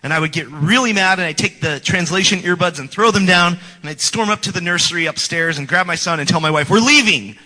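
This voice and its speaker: A man's voice: sits high, quick pace, few pauses, bright, forceful tone. A man in his forties giving an earnest, prepared church testimony and acting out his past scorn, in a church sanctuary. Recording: long hall reverb.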